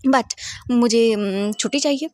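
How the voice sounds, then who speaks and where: A woman's voice: on the high side, a little slow, a little mellow, no room sound, clean studio sound, close to an everyday voice. A woman voicing a bossy but caring young woman friend who scolds and stammers when caught out, in a storybook reading.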